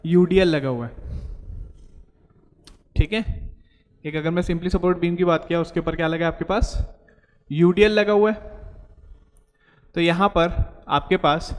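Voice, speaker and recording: A male engineering lecturer with an Indian accent, teaching at a board and repeatedly asking a question and then answering it. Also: high voice. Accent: Indian English. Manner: repeats his own questions and answers them. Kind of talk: whiteboard lecture in Hindi-English mix. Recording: long hall reverb.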